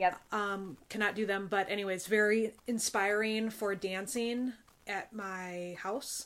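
A woman speaks in an American accent with a normal speaking voice. Her pitch is medium and her pace fairly slow. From US suburbs. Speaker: feminist podcast co-host, PhD student and instructor. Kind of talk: casual chat.

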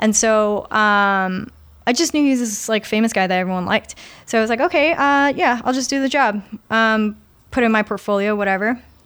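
A woman with an American accent speaks in an ordinary speaking voice at a fairly quick pace, with fairly high pitch, ordinary pitch variation and very even loudness, in a very clean recording with a silent background. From New York, Queens. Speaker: illustrator. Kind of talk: interview. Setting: studio.

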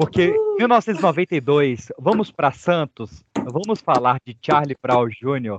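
In a dry, close sound with no echo, a man speaks very slowly at a fairly high pitch, with very wide pitch swings. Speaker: podcast host. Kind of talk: casual chat. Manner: animated.

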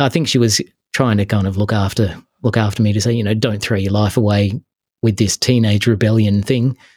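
Fairly quick and fairly low-pitched, a man with an Australian accent sounds dry and close with no echo, on a very clean recording with a silent background. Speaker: consultant, freedom of information enthusiast. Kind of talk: casual chat. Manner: halting.

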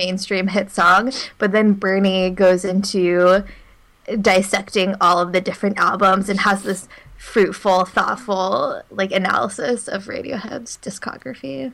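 A woman speaks at a fairly slow pace in an ordinary speaking voice. Her pitch is medium and her intonation fairly even. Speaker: podcast co-host. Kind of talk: casual chat.

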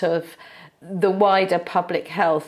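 Her pitch sits at a medium level. The woman talks at a very slow pace. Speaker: public health nurse. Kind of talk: interview.

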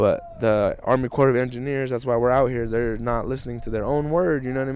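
Against noticeable background noise, a man races along at a very fast pace in a medium-pitched, monotone, flat delivery. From New Mexico Pueblos. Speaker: protester. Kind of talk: street interview. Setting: outdoors.

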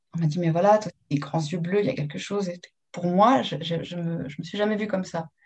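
Somewhat breathy and fairly low in pitch, a woman speaks with ordinary pitch variation. Her pace is fairly quick. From Geneva, Switzerland. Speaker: stage actress. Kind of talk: casual interview chat.

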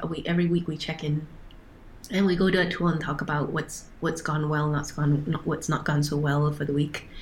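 Audible room echo surrounds a woman whose voice is very deep and low in pitch. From Hong Kong, raised in US and Canada. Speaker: operations director. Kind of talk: interview.

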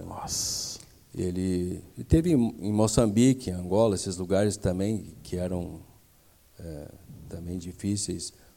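Very slowly, a man speaks with a very deep, low pitch, a dark, mellow tone and ordinary pitch variation. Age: 50s. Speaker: church member. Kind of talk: testimony interview.

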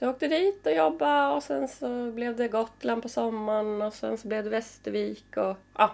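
A woman with a fairly high voice speaks at a moderate pace, her pitch swinging very widely with hardly any pauses. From Sweden, Mariefred (Södermanland). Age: 40s. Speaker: coach. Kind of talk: casual chat. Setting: at her home.

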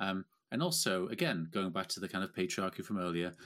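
A man talks at a fairly quick pace with lively intonation. It's an ordinary speaking voice. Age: 40s. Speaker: podcast co-host. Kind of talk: casual chat. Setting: home studio, remote recording.

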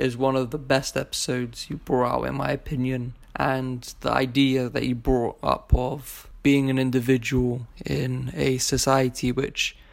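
Speaking at a moderate pace, a man with an English accent keeps a monotone, flat intonation. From England. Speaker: listener. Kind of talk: recorded personal ghost story.

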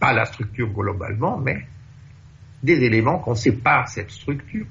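This man's voice has lively intonation. He talks at a moderate pace with a medium pitch. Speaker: author and Marxist economic theorist. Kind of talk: long-form interview. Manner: halting, with frequent hesitations and repetitions.

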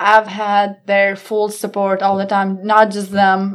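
The pitch of this woman's voice is medium. She keeps a moderate tempo. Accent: Albanian. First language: Albanian. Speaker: police officer. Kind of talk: casual interview.

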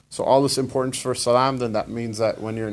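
Captured in a very clean recording with a silent background, a man races along at a very fast pace in an American accent. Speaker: Islamic teacher. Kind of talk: lecture.

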